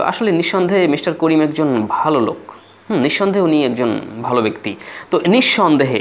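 A man with a Bangladeshi accent teaching spoken English in a classroom style. He says each phrase again and again and spells words out letter by letter. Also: on the high side. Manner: acts out little everyday scenes.

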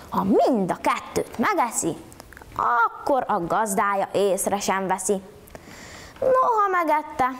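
A woman reciting a folk tale at a storytelling contest, in an animated, rhythmic style. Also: mid-range voice. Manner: animated, rhythmic rhyming delivery.

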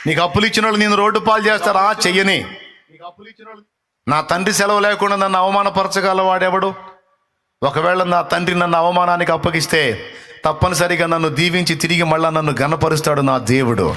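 A man's voice: sits high, fairly even intonation, a little fast, pushed and bright. A male pastor preaching a fervent live sermon, impassioned and repeating phrases as he rebukes.

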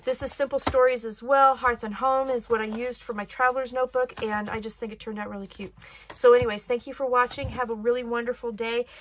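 A woman with a raspy voice hosting a casual craft tutorial, chatty and rambling with many ums. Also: fairly high pitch, little pitch movement, a little fast, slight background noise.

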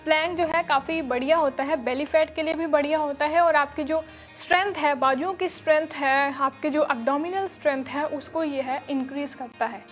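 High-voiced young woman teaching yoga. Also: moderate pace, soft background music. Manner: calm step-by-step instructions with frequent fillers. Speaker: yoga instructor. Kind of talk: instructional yoga demonstration. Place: studio with red floor and dark curtains.

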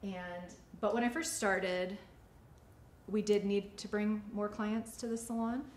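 A woman's voice: mid-range voice, fairly even intonation, a little slow. A woman in her forties, a salon owner, talking casually and chattily as she teaches during a demonstration. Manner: chatty, informal. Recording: echoey studio room, faint ambient noise.

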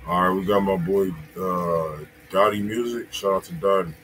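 A man's voice: deep voice, steady tone, moderate pace, fairly bright tone. An American man chatting casually and in slang as host of a music review livestream, often repeating himself.

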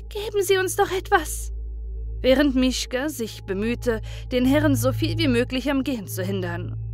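Woman reading a fairy tale aloud. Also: fairly high pitch. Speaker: storyteller. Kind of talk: scripted audiobook narration.

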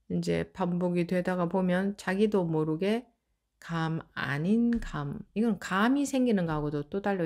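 A woman teaching as a Buddhist meditation teacher, answering a question calmly and explaining at length. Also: on the low side, gravelly. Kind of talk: dharma Q&A answer.

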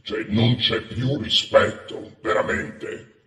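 A man's voice: fairly low pitch, fairly even intonation, slow, a bit bright. A man playing a sly devil on speakerphone. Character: sly, smug male devil calling from the underworld. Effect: heard over a phone on speakerphone. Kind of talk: staged comic phone call on a web show. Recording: echoey speakerphone sound.

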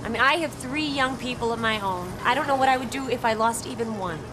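A woman plays an opinionated American suburban mom in a comic news vox pop. Her voice is fairly high and her manner judgmental and matter-of-fact. Clear outdoor noise surrounds her. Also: fast, natural voice. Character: opinionated suburban mother in street interview. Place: outdoors by a storefront. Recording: noisy outdoor street interview.

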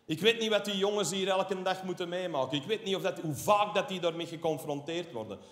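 A man's voice: high voice, brisk. A Flemish man doing stand-up comedy, ranting and sarcastic, tagging his lines with a questioning "hè". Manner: ranting, animated, sarcastic asides with tag "hè". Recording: roomy hall reverb from a live stage.

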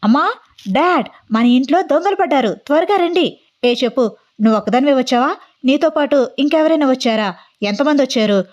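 An arrogant young man barks accusations in a quick, bossy run of questions, as a woman narrator puts him on. The voice sits fairly high and the recording sounds dull and lo-fi. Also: animated, a little mellow. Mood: accusing. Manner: bossy, rapid-fire interrogating.

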